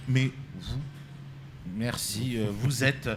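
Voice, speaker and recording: A man's voice: medium pitch, fairly even intonation, slow, over a noisy crowd. A man hosting a live radio interview at a festival, chatty and hesitant with many fillers. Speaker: radio host.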